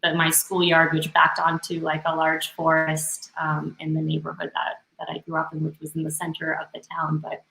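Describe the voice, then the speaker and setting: A woman, talking casually and haltingly as an interview guest. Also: sits low, completely flat delivery, gravelly, bright, forceful tone, echoey room, poor audio. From northern British Columbia, Canada, born in Romania. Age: 30s. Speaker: podcast guest.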